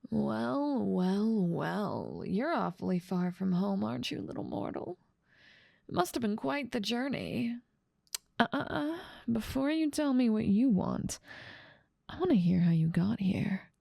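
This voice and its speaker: A woman's voice: mid-range voice, very animated, a little slow, vocal fry, darkish tone, dry recording, clean studio sound, full character voice. A woman playing a haughty, dominant demon lord who mocks and teases the listener in a scripted ASMR roleplay. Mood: amused, curious. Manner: dominant, amused, mocking, theatrical. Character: haughty, teasing female demon lord ruling part of hell.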